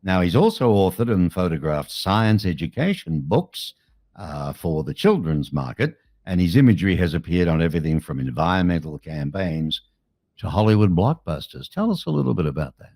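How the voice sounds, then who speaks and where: A man's voice: deep voice, sing-song, normal speed, darkish tone, no echo, studio quality. An Australian man hosting a casual interview show in a chatty, matey, colloquial way. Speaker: show host.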